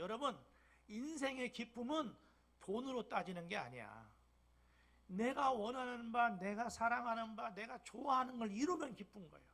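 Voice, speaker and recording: An older man in his sixties with a Jeolla dialect, preaching a sermon as a pastor in church, with emphatic bursts and soft whispered drops. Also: high-pitched, gravelly. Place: church sanctuary.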